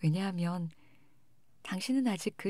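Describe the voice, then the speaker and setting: A woman's soothing, dark and mellow voice at medium pitch, with very wide pitch swings. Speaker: audiobook reader. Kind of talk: guided meditation. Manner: soft, slow, soothing and comforting.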